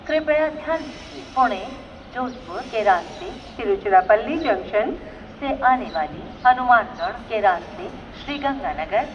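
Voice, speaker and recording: A woman's voice comes over the station loudspeaker, giving train announcements slowly and evenly. It is heard from a distance across the platform, with loud crowd and train noise around it. She reads each number digit by digit in a slightly high, steady tone. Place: outdoor railway platform.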